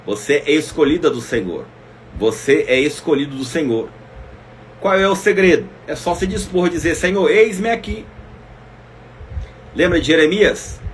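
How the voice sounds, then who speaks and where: A man preaching a devotional Bible lesson, swinging between loud exclamations and soft asides as he speaks straight to his listeners. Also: on the high side, moderate pace, slight background noise. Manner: speaks directly to listeners as "minha irmã".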